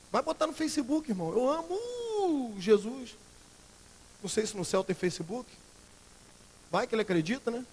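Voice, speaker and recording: A Brazilian pastor preaching a sermon in a church, swinging between loud emphatic outbursts and quiet earnest passages. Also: male voice, very high voice, slightly rough, in a large hall. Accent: Brazilian Portuguese. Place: church sanctuary.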